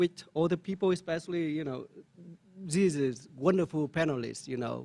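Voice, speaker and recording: A man's fairly high voice with a Vietnamese accent, at a moderate pace with ordinary pitch variation, dry and close with no echo. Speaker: panelist, university academic. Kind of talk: panel talk.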